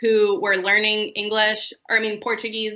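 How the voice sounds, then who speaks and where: Here a woman speaks with a Northeastern US accent at a moderate pace. Her pitch sits fairly high. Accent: US Northeast American English. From US Northeast, Connecticut. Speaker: language teacher. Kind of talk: interview.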